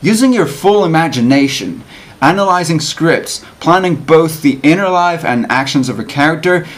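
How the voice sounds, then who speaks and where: A man with a medium-pitched voice reads an essay aloud in an expressive, performed way. His phrasing is deliberate and emphatic, giving the written words the lively shape of an actor's delivery. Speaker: actor reading an article aloud.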